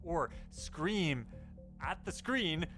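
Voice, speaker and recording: A man's voice: a little high, sing-song, drawn-out words, fairly bright tone. A man hosting an informal video commentary on game news, speaking as a narrator over his footage. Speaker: gaming news YouTuber, host. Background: background music.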